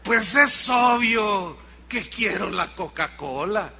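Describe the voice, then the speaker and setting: A stubborn little boy who whines for junk food, as a preacher acts him out. The voice sits high and bright, and it carries a long reverb from a large hall. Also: lively intonation, takes it slowly, vocal fry, slight background noise, full character voice. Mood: mocking.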